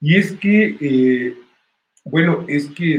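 In a plain, everyday voice, a man speaks at a fairly high pitch with lively intonation. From Mexico. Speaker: columnist. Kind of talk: political discussion.

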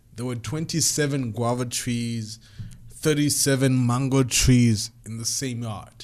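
A man with a plain, everyday voice, a medium pitch, and a fairly slow pace. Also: fairly even intonation, big swings in loudness. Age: 30s. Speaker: radio presenter and podcast co-host. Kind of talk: casual chat.

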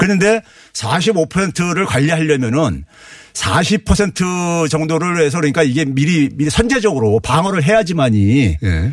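This man's voice is fairly high and his intonation lively. He speaks at a very slow pace. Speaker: economics professor. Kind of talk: radio interview. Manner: loud, raised voice.

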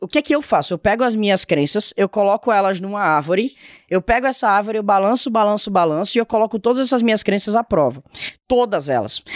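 Very fast and high-pitched, a man talks with lively intonation in a dry, close sound with no echo. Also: very even loudness, very clean recording, silent background. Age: 20s. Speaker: young entrepreneur. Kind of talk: casual chat.

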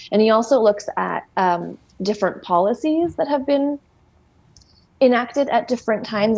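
Using an ordinary speaking voice, a woman talks at a moderate pace with lively intonation. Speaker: podcast co-host. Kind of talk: casual chat.

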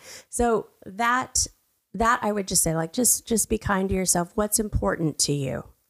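A woman with an American accent speaks at a moderate pace in a medium pitch with lively intonation and very even loudness. The recording is very clean with a silent background and a dry, close sound with no echo. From Texas. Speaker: therapist. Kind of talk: casual chat.

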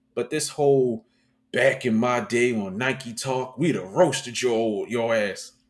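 With an animated tone, a man at medium pitch talks at a fairly slow pace with ordinary pitch variation. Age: 30s. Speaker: sneaker podcast co-host. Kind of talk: casual chat.

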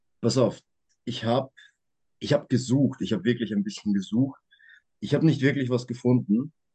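A man at a medium pitch, somewhat breathy, with fairly even intonation, a moderate pace, and long, frequent pauses. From Vienna, Austria. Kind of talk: casual chat.

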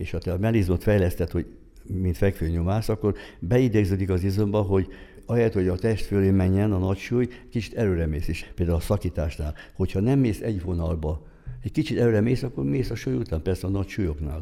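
Over a very clean recording with a silent background, a man talks at a very fast pace with ordinary pitch variation. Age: 70s. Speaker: veteran bodybuilder. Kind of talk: interview.

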